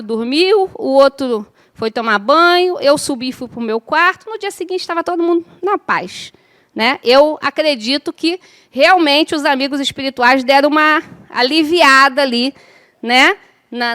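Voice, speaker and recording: Woman, middle-aged, high voice, spiritist course teacher, chatty lecture style, joking asides, frequent tag questions. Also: a bit bright. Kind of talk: informal lecture to a class.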